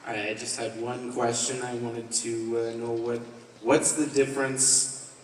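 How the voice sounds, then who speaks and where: A man in the audience asks a question in a slow, flat, halting way. He is heard from far off in an echoing hall. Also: mid-range voice, a little hiss or hum. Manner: halting, searching for words. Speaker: audience member asking a question. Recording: distant voice in an echoey hall.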